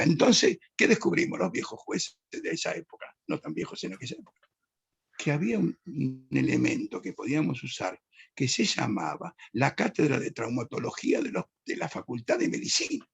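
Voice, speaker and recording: Older man, gravelly and husky. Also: medium pitch, fairly bright tone. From Argentina. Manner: reminiscing, digressive, self-correcting. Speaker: judge, interview guest. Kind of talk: anecdotal interview answer.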